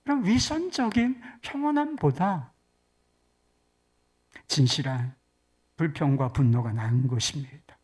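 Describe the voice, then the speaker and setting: A woman pastor preaching in a conversational, animated way, moving between soft and loud. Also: sits low, measured pace, long pauses, husky. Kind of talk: sermon.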